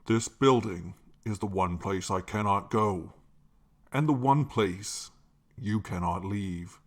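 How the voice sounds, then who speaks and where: A male storyteller puts on a sinister man in black from a fantasy tale. His voice sits low and moves very slowly. He is calm and deliberate, with smug menace under each word. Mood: menacing. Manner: slow, deliberate, quietly threatening.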